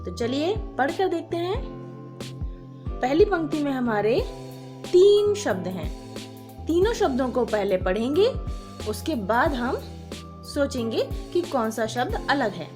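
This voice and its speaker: Slow, patient high-voiced woman teacher. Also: very animated, music in the background. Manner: slow, patient, spells words letter by letter. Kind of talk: primary school Hindi lesson.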